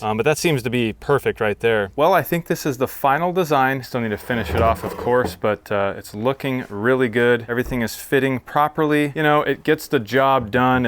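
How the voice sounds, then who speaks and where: A man with a clean, smooth voice at a middling pitch talks through a do-it-yourself project. He is informal and thinks aloud, like a host showing viewers each step. The sound is dry and close, with little room around him. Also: no echo. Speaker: host of a DIY project video. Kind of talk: casual hands-on DIY explanation.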